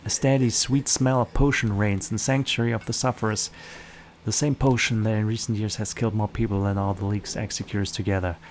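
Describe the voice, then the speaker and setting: A man's voice: fairly low pitch, level tone, a little fast, a little hiss or hum, lightly acted. A man reading aloud as the grim, dramatic narrator of a visual novel. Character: grim literary narrator of a squalid post-apocalyptic slum.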